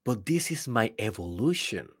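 A man's voice: lowish voice, big pitch swings, normal speed, breathy edge. A native Spanish-speaking man with a Spanish accent, giving an emphatic solo motivational talk as a business coach, often asking the listener rhetorical questions.

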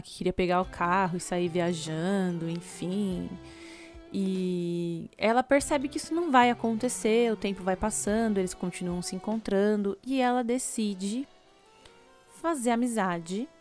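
A woman's voice: medium pitch, measured pace, faint music behind. A woman retelling a film plot in a chatty, conversational way, with frequent asides to her viewers. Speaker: video host recapping a film. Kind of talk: casual plot recap.

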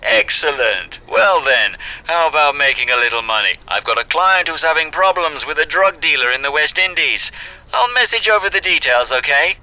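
A man's voice: a little high, expressive, normal speed, bright, forceful tone, poor audio. An actor playing a chummy, breezy underworld job broker in an audio drama, with a casual salesman-like manner.

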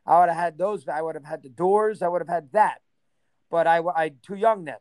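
A man in his sixties, reminiscing in a casual interview, rambling and rattling off names in quick bursts. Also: fairly high pitch, a little mellow, no room sound. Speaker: interview guest.

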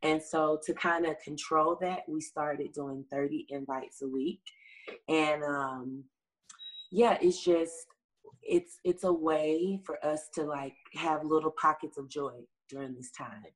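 A singer from the American South answers casual interview questions as a guest, upbeat and heavy on fillers. Her voice is low, steady and slow, and the recording is of low quality.

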